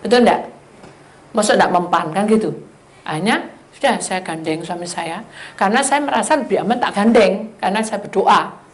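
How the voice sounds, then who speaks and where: Woman pastor with a Javanese accent, lively swooping delivery, mid-pitched, storytelling sermon that talks straight to the flock. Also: moderate pace. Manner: animated storyteller who acts out dialogue; addresses the congregation directly. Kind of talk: sermon testimony.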